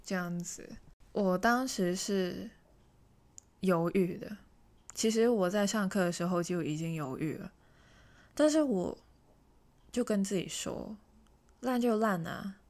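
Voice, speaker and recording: A young woman from Hong Kong chats through a personal story in a casual, self-mocking way. Her voice sits a little low for a woman. Now and then she drops into a hushed, half-whispered aside. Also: lively intonation, measured pace, pauses often. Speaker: vlogger.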